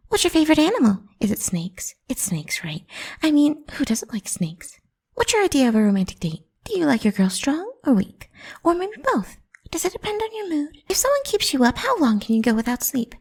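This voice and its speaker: A woman's voice: a little high, full character voice. Woman playing a whispery, possessive lamia girl. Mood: teasing, then eager, prying. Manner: coaxing, teasing, soft and breathy. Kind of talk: whispered ASMR roleplay.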